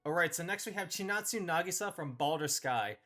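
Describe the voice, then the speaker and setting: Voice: mid-range voice, lively intonation, brisk, pushed and bright, soft background music. A video host giving casual, opinionated review commentary in an informal, emphatic and slangy manner. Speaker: video host ranking visual novel characters.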